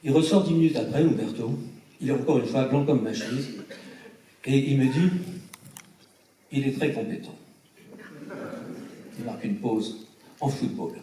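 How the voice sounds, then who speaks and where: A film director telling lively anecdotes to a cinema audience, acting out the voices of the people he quotes. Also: mid-range voice, normal speed, slight background noise. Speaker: film director presenting his film. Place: large cinema hall before a screening. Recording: very echoey hall, voice from far off.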